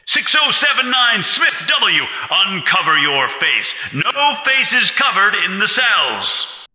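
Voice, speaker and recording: A man voicing a stern telescreen voice that shouts commands at a prisoner. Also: high-pitched, sing-song, slow pace, pitched above the performer's own voice, heavily acted. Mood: commanding. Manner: barked commands. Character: stern male voice barking from a telescreen. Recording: echoey, hall-like reverb.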